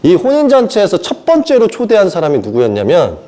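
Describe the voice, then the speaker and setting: A male preacher with a mellow, relaxed tone gives a sermon. His pitch swings widely as he acts out the characters in the stories. He keeps stopping to ask the congregation whether they follow him. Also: fairly quick. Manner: animated storytelling, acting out voices of Jesus and Peter; asks the listeners if they understand.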